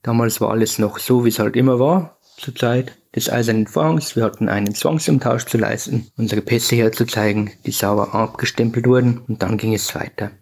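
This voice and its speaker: Man in his fifties, husky voice, middle pitch, calm measured storytelling, from Bavaria. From Bavaria, Germany. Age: 50s. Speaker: podcast guest telling his story. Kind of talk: personal storytelling.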